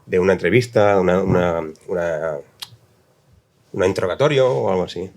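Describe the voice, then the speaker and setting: A man speaking as a scriptwriter on a casual panel, halting and starting phrases over as he explains. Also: sits low, darkish tone.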